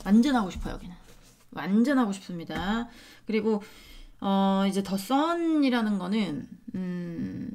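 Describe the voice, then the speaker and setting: With lively intonation and a dark, mellow tone, the speech goes at a fairly slow pace with long, frequent pauses and audible room echo. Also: woman, medium pitch for a woman. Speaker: tarot reader. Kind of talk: tarot reading monologue to viewers. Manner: casual, with many fillers and repetitions.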